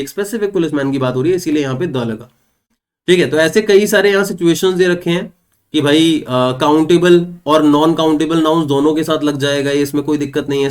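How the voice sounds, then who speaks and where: Fairly high-voiced man teaching English grammar. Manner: explains step by step, asks and answers his own questions; reads English example sentences slowly and clearly. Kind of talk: online exam-prep lesson.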